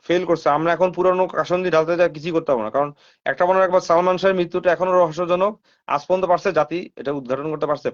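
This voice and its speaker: A man's voice: on the high side, dull audio. A man hosting a live stream, talking straight to his viewers in casual commentary, asking them rhetorical questions and mixing English phrases into his talk.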